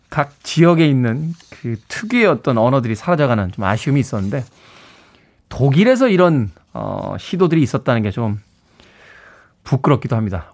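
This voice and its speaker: A man's voice: medium pitch, darkish tone. A man hosting a radio show, chatting in a friendly way and reading out listener messages from a studio. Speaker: radio host. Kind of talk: radio DJ talk.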